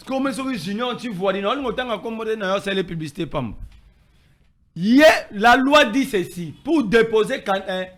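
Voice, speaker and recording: Congolese-accented male street commentator, higher register, swinging intonation, argumentative. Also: a bit bright. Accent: Congolese French. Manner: emphatic, code-switching, argumentative. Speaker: political commentator. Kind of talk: animated street political debate.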